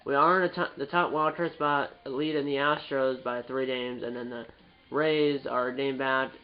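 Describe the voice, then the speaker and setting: A man's voice: medium pitch, fairly even intonation, normal speed. Young male gaming host, nasal from a cold, chatty and meandering, muffled home recording. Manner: rambling, restarts and fillers, self-correcting. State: stuffed up, nasal. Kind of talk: casual gameplay commentary.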